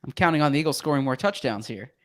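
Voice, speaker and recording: Man giving measured football analysis. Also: mid-range voice, animated, fairly bright tone. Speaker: podcast co-host. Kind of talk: casual podcast banter.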